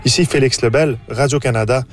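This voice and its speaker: A male reporter delivering a scripted news report in an even, clear voice. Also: medium pitch, brisk. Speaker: radio reporter.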